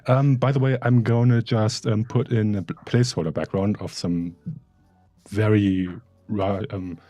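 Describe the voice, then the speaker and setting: A man co-hosts a live design stream, chatting casually and tossing out wry jokes. His voice sits low and mellow with a husky edge, recorded dry and close. He drifts off with fillers mid-thought. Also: fairly even intonation, a little slow, no room sound. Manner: joking, wry, trails off with fillers. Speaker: livestream co-host. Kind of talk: casual live-stream chat while working.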